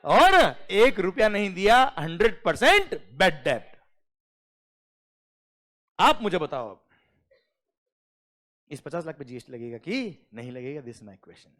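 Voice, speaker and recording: Brief: middle-aged male lecturer, high and lively, acts out dialogue in class. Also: slow, pauses often. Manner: animated storytelling, acts out dialogue, asks students questions. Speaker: GST lecturer. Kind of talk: classroom lecture with acted anecdote.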